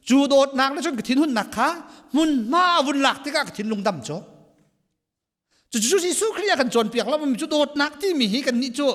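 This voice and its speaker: A man preaching a sermon as pastor, animated and rising in emphasis. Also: extremely high pitch, long reverb tail. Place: church.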